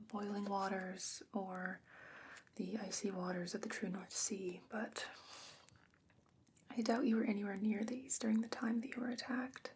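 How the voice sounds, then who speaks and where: Speaking as a kind, patient scholar in a fantasy world, a woman stands up for merfolk in a whispered ASMR roleplay, her tone quiet, measured and explanatory. The lightly acted, mid-range delivery feels gently firm, with a little hiss or hum in the recording.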